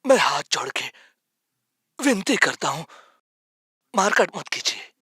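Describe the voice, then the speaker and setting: Husky, earnest peace leader begging folks to stop fighting, dry close sound. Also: male voice, on the high side, sing-song, unhurried, pushed and bright, no room sound, full character voice. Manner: earnest, pleading address. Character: idealistic nonviolent male protest leader. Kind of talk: Hindi film dub.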